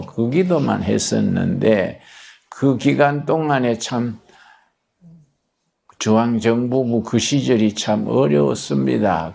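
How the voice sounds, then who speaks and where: Older man, pastor, gravelly and slow, folksy anecdotal sermon delivery. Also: mid-range voice, dark tone. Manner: folksy, plain-spoken, anecdotal. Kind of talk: storytelling sermon.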